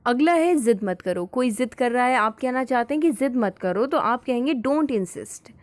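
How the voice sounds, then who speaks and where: A woman teaches everyday English phrases in a spoken lesson, patiently explaining each one and repeating it slowly. Her voice sits a little high with lively intonation. The close, dry recording has almost no room sound.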